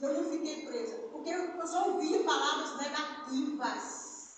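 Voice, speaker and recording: A woman's high, animated voice at a fairly slow pace, with ordinary pitch variation and audible room echo. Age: 60s. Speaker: preacher. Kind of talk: sermon. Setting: church.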